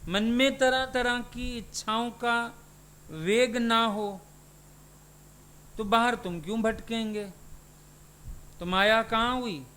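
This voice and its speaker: A man's voice: extremely high pitch, takes it slowly, long pauses, pushed and bright. A man, a spiritual teacher, giving a satsang sermon and putting questions to his listeners.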